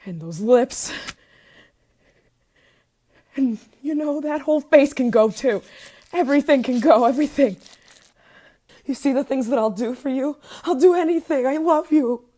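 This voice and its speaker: A woman's voice: high voice, lively intonation, unhurried, long pauses, mellow. A woman playing an obsessive, possessive, murderous yandere lover in an intimate ASMR roleplay monologue, moving between whispers and frantic outbursts. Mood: jealous, frantic rage.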